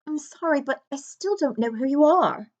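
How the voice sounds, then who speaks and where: Woman as a soft, timid, high-voiced storybook boy. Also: lively intonation, moderate pace. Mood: polite, puzzled. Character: timid, polite, bewildered young boy.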